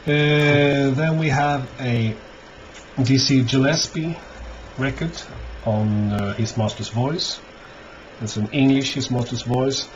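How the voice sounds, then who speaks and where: A man giving a casual, unscripted show-and-tell as a collector, halting often and thinking aloud. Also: mid-range voice. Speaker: record collector presenting finds. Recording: dull lo-fi audio, clear background noise.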